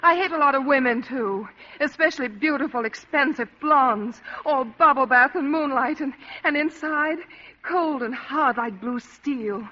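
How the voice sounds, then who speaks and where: An actress playing a bitter, sharp-tongued young woman in a 1940s-style radio drama. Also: high voice, measured pace. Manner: cutting, bitter. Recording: dull lo-fi old radio recording.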